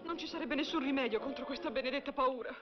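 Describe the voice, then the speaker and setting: A woman's voice: high-pitched, fast talker, natural voice. A woman playing a nervous, coquettish young stage performer in an old film comedy. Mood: anxious, coquettish. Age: young adult. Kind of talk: 1950s Italian film romantic comedy. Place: small theatre dressing room. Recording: dull old film soundtrack, music behind.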